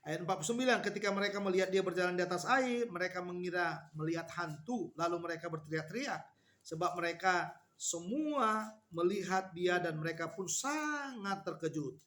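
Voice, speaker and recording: A man preaching a sermon to a women's fellowship, explaining Bible passages and acting out quoted lines with lively repetition. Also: high voice, a little fast. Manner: animated, repeats key phrases, acts out quoted lines.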